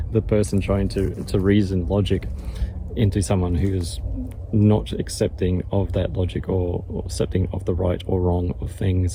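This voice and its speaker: A man with an Australian accent speaks at a very deep, low pitch and a moderate pace. His pitch variation is ordinary, and noticeable background noise is present. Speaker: emotional wellbeing coach. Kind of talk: casual reflective talk to camera. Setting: outdoors. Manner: halting, with fillers and repeated words.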